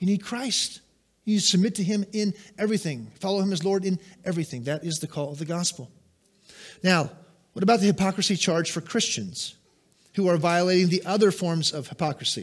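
A man speaks at a high pitch and a fairly quick pace, with ordinary pitch variation. Long, frequent pauses break up his speech on a very clean recording with a silent background. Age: 40s. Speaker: pastor. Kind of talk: sermon. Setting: church.

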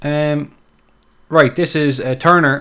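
This man has an unremarkable speaking voice with a fairly high pitch and a fairly slow pace. The recording is very clean, with a silent background. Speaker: podcast host. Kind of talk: casual chat.

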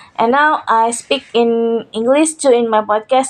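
A woman with an Indonesian accent speaks at a fairly slow pace, her fairly high pitch showing ordinary pitch variation. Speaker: podcast host. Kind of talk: solo podcast monologue. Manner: halting.

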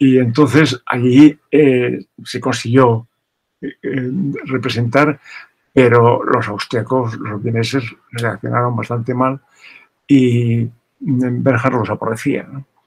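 A man speaks very slowly in a medium pitch, with monotone, flat intonation. His loudness swings widely, and he takes long, frequent pauses. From Spanish Morocco (Tangier, Ifni). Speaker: literary translator. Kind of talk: interview. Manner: halting, many repetitions and fillers.

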